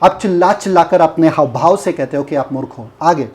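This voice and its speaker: A man with a high-ish, slightly mellow voice preaches a Bible teaching sermon at a brisk pace. He keeps quizzing his listeners and echoing their answers back, at one point doing a mocking role-play of a foolish person.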